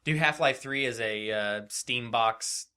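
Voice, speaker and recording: A man's voice: medium pitch, slow pace, pushed and bright, smooth. A man hosting a casual gaming podcast, bantering with friends and swearing freely as he jokes. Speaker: podcast host.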